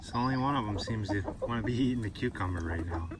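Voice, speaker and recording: A man's voice: lowish voice, quick pace, crowd noise. A man chatting casually and informally in a folksy way, giving a vlog tour outdoors in a breezy garden. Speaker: vlogger showing his vegetable garden. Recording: noisy outdoor recording, breezy ambience.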